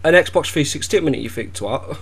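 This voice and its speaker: A little high, brisk and gravelly, the voice belongs to a young Welsh gaming video creator trolling an opponent in game voice chat. His sarcasm comes out deadpan and teasing, with a pretended innocence.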